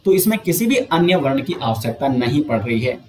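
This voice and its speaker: A man teaching an exam coaching lesson, explaining step by step, asking and answering his own questions, and drawing out sounds slowly to show them. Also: medium pitch, sing-song, a little mellow, roomy sound.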